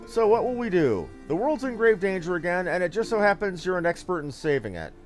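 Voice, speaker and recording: A man's voice: high-pitched, sing-song, a little fast, soft background music. A man voicing an earnest scholarly expedition leader from a fantasy game, formal and declamatory. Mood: chagrined, urgent. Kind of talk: fantasy game dialogue read aloud.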